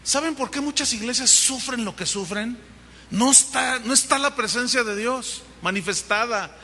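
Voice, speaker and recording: A man's voice: very high voice, bright, forceful tone. A male pastor with a Mexican accent preaching a sermon, emphatic and driving his points home through repetition. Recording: long hall reverb, faint noise.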